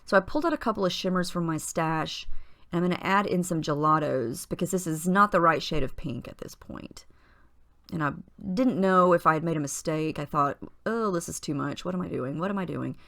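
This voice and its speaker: A woman narrates a craft tutorial in a slightly low, husky morning voice. She talks in a relaxed, chatty way, pausing on small fillers as she explains each step. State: husky morning voice, clearing her throat. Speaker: scrapbooking tutorial host. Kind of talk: casual voice-over narration of a craft process.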